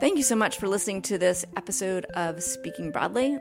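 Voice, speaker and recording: A woman speaks over noticeable background noise. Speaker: podcast host, food editor. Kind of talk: interview.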